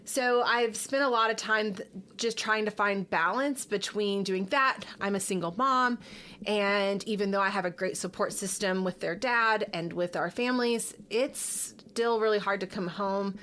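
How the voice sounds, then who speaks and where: A woman's voice: medium pitch, unhurried, a bit bright, slight background noise. A middle-aged woman from Texas, a podcast guest talking casually and openly, with lots of fillers. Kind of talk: casual interview chat.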